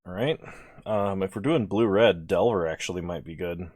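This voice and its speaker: A man's voice: sits low, normal speed, a little mellow. A sleepy man giving casual gameplay commentary, thinking aloud as he weighs each choice. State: sleepy, yawning. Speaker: video creator drafting cards.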